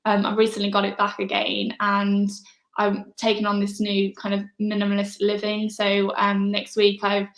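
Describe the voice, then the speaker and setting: A woman answering interview questions in a relaxed, casual way, soft-spoken with frequent pauses and fillers. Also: mid-range voice. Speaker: interview guest. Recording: echoey room.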